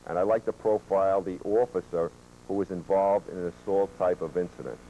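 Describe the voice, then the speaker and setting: A man who is a police officer giving a training lecture, presenting statistics in a measured way with occasional fillers, heard from a worn VHS tape copy. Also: low-pitched, mellow, lo-fi sound. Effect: worn VHS tape copy with hum.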